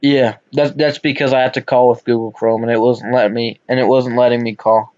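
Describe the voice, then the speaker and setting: A man's voice: mid-range voice, level tone, a little fast, a little mellow, no room sound, highs cut off, voice pushed down, natural voice. A man voicing a foul-mouthed angry caller who stammers and swears threats. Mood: confused.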